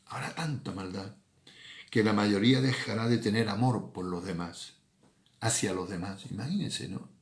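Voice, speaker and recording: Man, middle-aged pastor, low voice, chatty sermon. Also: gravelly. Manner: conversational, often adds tag questions. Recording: echoey room.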